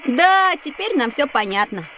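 An eager young boy who exclaims at every new discovery. His voice sits high, as a boy's would. He speaks in a scripted children's audio story. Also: a little hiss or hum, full character voice. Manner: excited, quick to exclaim. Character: eager schoolboy Petya, excitable. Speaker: child character in an audio encyclopedia.

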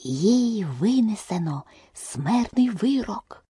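A woman voicing a timid, fussy male white rabbit courtier who talks in a hushed, nervous half-whisper. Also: mid-range voice, expressive, a little slow, slightly rough, dry recording, clean studio sound.

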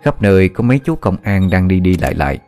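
Man, very low voice, scripted horror narration, somber and steady, faint music under it. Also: fast. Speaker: storyteller.

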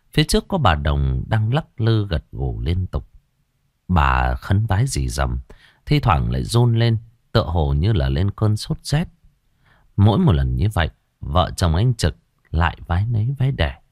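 A man narrating a ghost story in a measured, suspenseful way. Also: low voice, very animated, a little mellow, no echo, clean studio sound.

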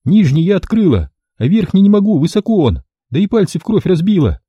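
A male narrator voicing a hysterical young woman who squeals, scolds and pleads in a shrill voice. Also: big pitch swings, fairly quick, dark tone, breathy edge, no room sound, highs cut off, full character voice. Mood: panicked.

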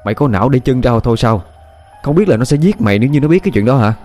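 Man voicing a young man, loud, scolding, exasperated, storybook audio. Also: mid-range voice, expressive, racing, faint music behind, voice pushed up, lightly acted. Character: young man, Thư's exasperated best friend.

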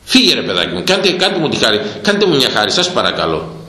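A man preaching a sermon in a fiery, repetitive way, breaking into sudden loud bursts. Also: mid-range voice, huge pitch swings. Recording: roomy echo.

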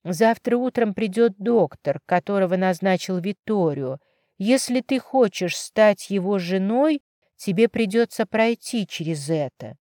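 A woman reading the part of an anxious middle-aged mother with a soft, faltering voice, in a dry recording. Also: medium pitch, animated, unhurried, no room sound, natural voice. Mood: bitter, anxious.

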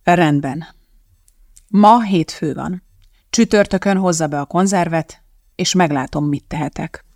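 An audiobook reader voicing a blunt, determined woman who talks firmly and matter-of-factly, with a creaky edge. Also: medium pitch, long pauses, darkish tone, no echo, clean studio sound, close to an everyday voice. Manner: firm and matter-of-fact. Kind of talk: audiobook character voice.

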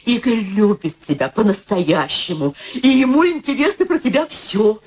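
Актриса играет сентиментальную старушку-мать, живые переливы голоса. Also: female voice, a little high, lively intonation, moderate pace, a little mellow, lightly acted. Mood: insistent, chatty. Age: older. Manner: talkative, solemn, theatrical. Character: ailing, sentimental, pushy elderly mother matchmaking her daughter. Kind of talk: stage-like Russian radio drama acting.

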